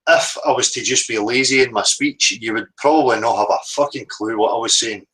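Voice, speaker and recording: A Northern Irish man hosts a live stream in a loose, rambling manner, drifting between thoughts and swearing now and then. His speaking voice sits at an everyday middle pitch. He sounds unhurried and reflective. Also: fairly bright tone. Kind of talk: casual live-stream monologue.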